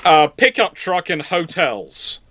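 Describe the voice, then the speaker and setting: A man's voice: fairly high pitch, big pitch swings, slow pace, a bit bright, no echo, studio quality. A man hosting a casual live question-and-answer chat. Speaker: host.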